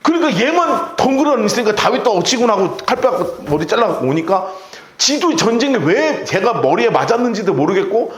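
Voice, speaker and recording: A man teaching a Bible study, retelling the story with vivid, lively asides. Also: high voice, brisk, reverberant. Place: church room.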